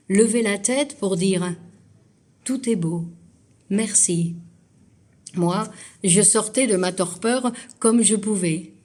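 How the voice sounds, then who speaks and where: Female poetry reader, mid pitch, very unhurried, deliberate phrasing, literary and dramatic delivery. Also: a little mellow. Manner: measured, deliberate phrasing with pauses.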